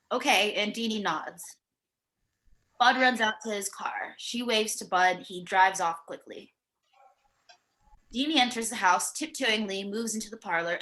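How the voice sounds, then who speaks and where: A woman's voice: mid-range voice, bright, forceful tone, poor audio. A woman narrating a screenplay, reading out scene headings and stage directions for a table read. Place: remote virtual table read.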